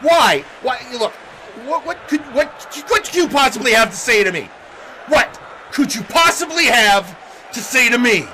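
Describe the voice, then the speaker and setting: A man's voice: very high-pitched, very animated, a little slow, noisy background, pitched above the performer's own voice, exaggerated voice. A man playing an angry, frustrated wrestler ranting in a promo, stammering with exasperation. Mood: furious, incredulous. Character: furious, frustrated male wrestler ranting in the ring.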